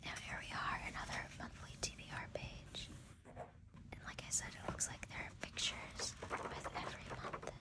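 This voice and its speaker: Whispering at a moderate pace comes through noticeable background noise. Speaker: booktube / ASMR content creator. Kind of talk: ASMR unboxing, whispered talk to camera. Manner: whispered, soft-spoken.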